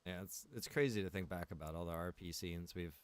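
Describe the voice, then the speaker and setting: A man's voice: sits low, fairly quick, slight background noise. A man streaming a game, talking in a casual, informal, reminiscing way. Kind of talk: casual chat while streaming roleplay game.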